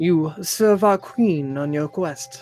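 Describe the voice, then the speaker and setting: A put-on character voice at a middle pitch, with faint music in the background. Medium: actual play. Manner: lofty, cryptic, condescending.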